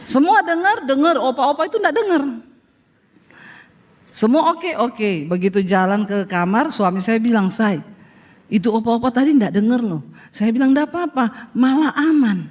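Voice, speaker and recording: A woman's voice: fairly high pitch, normal speed, long pauses. A woman preacher, telling a humorous story in a sermon, acting out the dialogue and teasing her listeners. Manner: lively storytelling, acts out dialogue, teases the audience.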